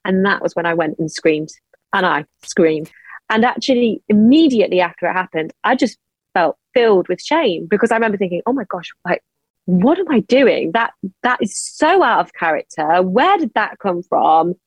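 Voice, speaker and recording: A woman's voice: lively intonation, husky, no room sound, rough recording. English woman guest, 30s, raw personal storytelling, dry close sound. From England. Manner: emotional, quick bursts of speech rising high when angry.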